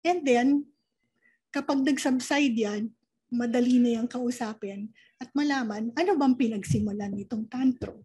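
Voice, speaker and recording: A woman speaking as an early childhood education expert, calmly explaining with rhetorical questions and mixing Tagalog and English. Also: a little high, unhurried, husky, low-quality recording. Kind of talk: explanatory interview talk.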